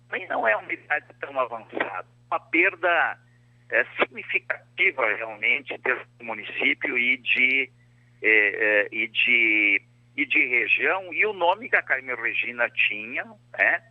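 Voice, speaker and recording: Um homem, ex-prefeito, dá entrevista por um telefone chiado que corta o tempo todo, falando de modo formal e pausado, com muitas hesitações. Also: male voice, medium pitch, no echo. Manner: formal and measured, with frequent hesitations. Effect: crackly phone line that keeps cutting out. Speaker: former mayor, interview guest. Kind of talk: phone interview on a radio show. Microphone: telephone. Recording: dull, dry phone line.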